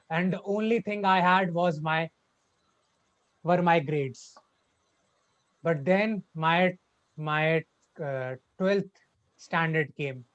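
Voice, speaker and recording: A young man telling his personal story as a club speech, halting and repeating words with a stutter. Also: a little high. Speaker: club speaker. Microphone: video call. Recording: dull lo-fi online call audio.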